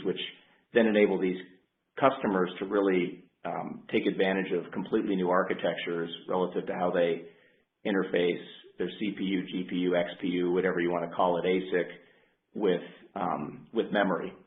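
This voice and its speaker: A man speaking as a company executive, answering questions on an earnings call in a measured, careful way. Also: deep voice, little pitch movement. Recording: roomy, dull conference line.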